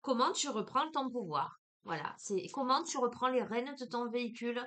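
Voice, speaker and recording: A woman with a Marseille accent giving a spiritual card reading, talking casually and warmly to the listener with lots of fillers and restarts. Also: on the high side, animated, normal speed. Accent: Marseille French. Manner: chatty, hesitant, many fillers, addresses listener as tu. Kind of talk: casual spiritual guidance talk.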